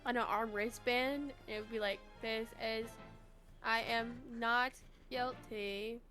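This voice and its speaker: A woman with a fairly high voice chats casually as co-host of a game playthrough. She talks at a slow pace. Music plays softly behind her. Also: steady tone. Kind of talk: casual let's play chat.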